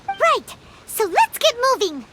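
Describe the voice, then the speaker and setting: Small squeaky excitable game sidekick, slow, singsong delivery, loud music bed. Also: female voice, slight background noise, full character voice. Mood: eager. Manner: squeaky, exclaiming. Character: small chirpy excitable companion creature.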